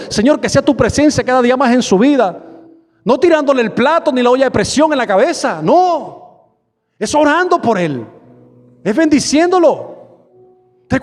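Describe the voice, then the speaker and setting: High-voiced preaching man in a reverberant hall. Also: darkish tone. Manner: preaching with quick bursts and slow drawn-out emphasis; acts out quoted prayers and imagined listeners. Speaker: pastor. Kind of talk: sermon. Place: church.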